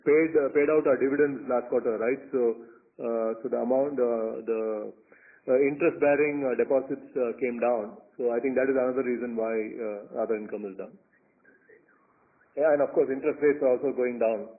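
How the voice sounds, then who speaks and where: Over a thin, tinny telephone conference line, a man with an Indian accent speaks as a company executive. His pitch is average for a man, and he explains things off the cuff, haltingly, with repeated words. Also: steady tone. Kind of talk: earnings call answers, unscripted.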